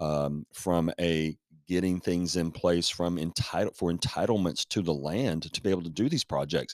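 On a very clean recording with a silent background, a man with a North Carolina accent speaks at a fairly slow pace in a very deep, low pitch, with ordinary pitch variation and a dry, close sound with no echo. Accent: North Carolina Southern. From Holly Springs, North Carolina. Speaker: podcast co-host. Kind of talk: interview conversation.

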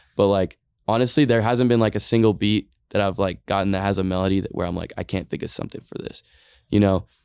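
Talking at a very fast pace, a man with an American accent uses a fairly low pitch and fairly even intonation. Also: very clean recording, silent background. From Idaho, US. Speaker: college student and rapper. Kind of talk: casual chat. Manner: casual, filler-heavy speech.

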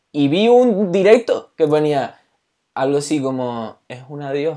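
A man's dark, mellow voice in a very clean recording with a silent background. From Canary Islands (Tenerife). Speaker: podcast co-host. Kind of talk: casual chat.

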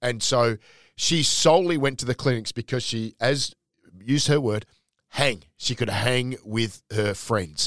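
Speaking at a fairly slow pace with an Australian accent and ordinary pitch variation, the voice sounds dry and close, with no echo. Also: man, medium pitch for a man. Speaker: podcast host. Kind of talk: casual interview.

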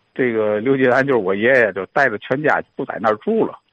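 A man's medium-pitched voice, an ordinary speaking voice, moves along at a fairly quick pace. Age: 60s. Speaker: caller sharing family history. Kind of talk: casual reminiscence on a call-in show. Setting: phone call.

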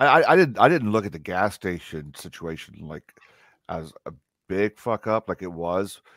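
A man with a normal speaking voice talks at a moderate pace and a fairly low pitch, his loudness swinging widely. The recording is very clean, with a silent background and a dry, close sound with no echo. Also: lively intonation. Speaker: co-host. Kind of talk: casual banter.

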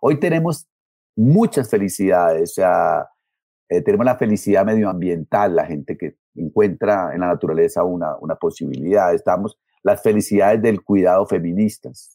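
A man speaks at a moderate pace in a dark, mellow tone with a fairly low pitch and lively intonation. The sound is dry and close with no echo. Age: 60s. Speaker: professor and media critic. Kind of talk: interview.

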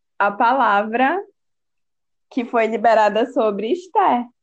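A woman's high-pitched voice. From Belém do Pará, Brazil. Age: 20s. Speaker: occupational therapist and church youth leader. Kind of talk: casual chat with faith testimony.

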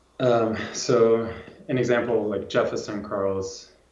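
Over noticeable background noise, a man speaks fairly slowly with a Lithuanian accent. His medium-pitched delivery is monotone, with flat intonation. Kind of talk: casual interview. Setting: video call.

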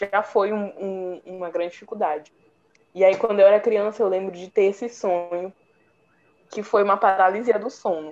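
The speech moves at a moderate pace, with big swings in loudness and long, frequent pauses. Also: woman, medium pitch for a woman. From Brazil, São Luís, Maranhão. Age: 20s. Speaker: teacher, podcast guest. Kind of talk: casual chat.

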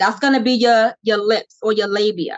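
The speaking voice is unremarkable, at a moderate pace. The sound is dry and close, with no echo. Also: woman. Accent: American. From New York. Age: 30s. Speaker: entrepreneur, product founder. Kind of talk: interview.

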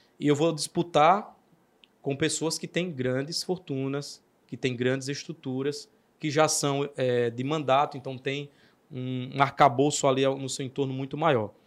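A man uses a normal speaking voice, fairly high in pitch, with fairly even intonation at a fairly slow pace. The recording is very clean, with a silent background. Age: 30s. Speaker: journalist and political candidate. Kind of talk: casual interview.

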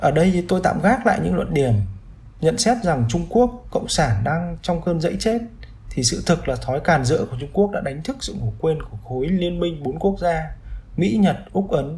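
Swinging very widely in pitch, a man talks fairly quickly in a fairly high register. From Hai Phong, Vietnam. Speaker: panel guest, citizen commentator. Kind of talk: panel discussion.

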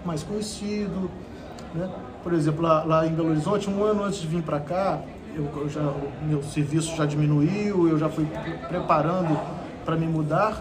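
Amid noticeable background noise and audible room echo, a man with a fairly high pitch and ordinary pitch variation talks at a moderate pace, taking long, frequent pauses. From Brazil. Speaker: wine educator and blogger. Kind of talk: casual interview. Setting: wine event.

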